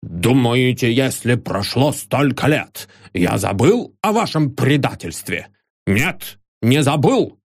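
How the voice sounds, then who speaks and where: A man voicing a gruff, grey-haired old professor who lectures with indignation. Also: medium pitch, sing-song, slow, exaggerated voice. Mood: indignant.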